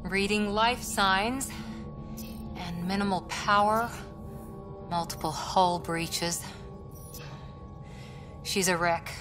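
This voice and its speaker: An actress playing a tough military lieutenant, speaking in a clipped, determined way over soft game music. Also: female voice, medium pitch, fairly even intonation, takes it slowly, long pauses, natural voice. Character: tough female military lieutenant, driven and loyal. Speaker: soldier.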